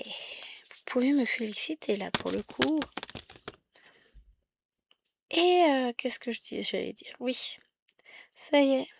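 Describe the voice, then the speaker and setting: A middle-aged Frenchwoman with a slightly high, creaky voice chats casually about her cross-stitching against a noisy background. She rambles and pokes fun at herself, with many asides and restarts.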